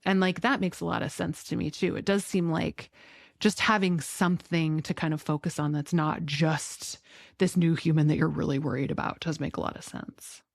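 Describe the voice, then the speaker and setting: A woman's voice: low voice, steady tone, moderate pace, creaky, no room sound, clean studio sound. A woman hosting a podcast in a casual, conversational interview style, peppering her talk with "like". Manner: conversational, frequent "like". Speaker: podcast host.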